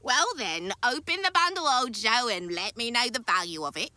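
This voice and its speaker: A woman's voice: a little high, lively intonation, normal speed, sharp tone. A woman playing a gloating, callous servant thief with sly relish in a Victorian radio drama. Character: brazen, gloating female thieving servant in Victorian slum. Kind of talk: theatrical radio play acting.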